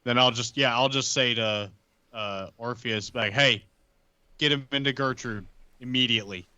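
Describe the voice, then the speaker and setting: A man's voice: mid-range voice, normal speed, bright, forceful tone, dry recording, highs cut off. A man talking casually as a player in a tabletop game, improvising what he does.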